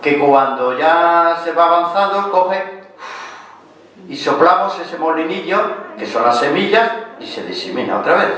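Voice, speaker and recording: A man's voice: a little high, expressive, measured pace, fairly bright tone, a little hiss or hum. An older man from Spain with a Castilian accent gives an informal lecture, colloquial and didactic, putting questions to his listeners. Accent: Castilian Spanish. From Spain, raised in Asturias. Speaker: lecturer and author on medicinal plants. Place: echoing lecture room at a cultural center. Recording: very echoey hall, distant microphone.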